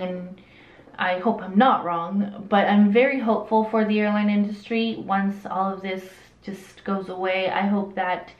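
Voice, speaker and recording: Doing her makeup in a small room in front of a curtain backdrop, a woman vlogger in her late twenties chats candidly through a casual viewer Q&A. Born in El Salvador and raised in Southern California, she speaks with a light Hispanic accent in a mid-range voice, frequently trailing off and starting over. The sound is roomy and a bit dull.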